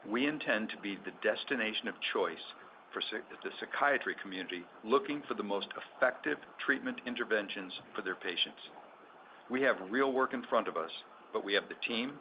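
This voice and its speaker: A man speaking as a chief executive delivers formal, measured, scripted remarks on an earnings call. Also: lowish voice. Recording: dull conference audio with background noise.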